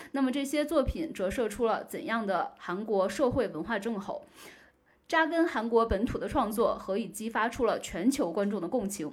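Over a silent background on a very clean recording, a woman with an unremarkable speaking voice talks at a moderate pace, her fairly high pitch carried by lively intonation. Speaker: podcast host. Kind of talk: casual chat.

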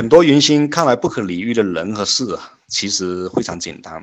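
At a fairly slow pace, a man speaks at medium pitch with lively intonation. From northern Fujian, China (Jian'ou). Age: 40s. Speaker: personality-typing teacher. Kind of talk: informal talk to an audience. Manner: halting, many filler 'uh's.

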